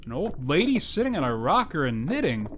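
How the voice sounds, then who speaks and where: A woman playing a gruff, no-nonsense country sheriff in a radio horror drama, brusque and hard-boiled. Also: low voice, big pitch swings, brisk, slight background noise.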